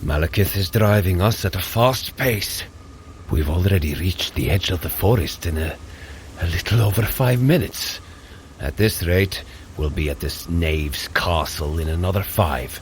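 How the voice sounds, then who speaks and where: An actor playing a proud, protective warrior god in an audio drama, speaking earnestly in solemn, archaic heroic style. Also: male voice, deep voice, measured pace, a little hiss or hum. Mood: urgent, watchful. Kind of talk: audio drama hero acting.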